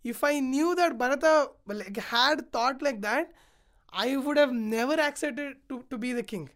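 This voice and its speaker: A woman's voice: high voice, unhurried. A woman voicing an earnest young prince, a devoted son, while retelling an epic in a podcast chat.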